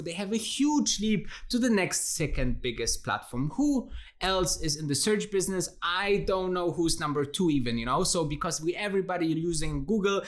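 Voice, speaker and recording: A host with gives enthusiastic, conversational stock investing commentary, addressing viewers directly and emphatically. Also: mid-range voice.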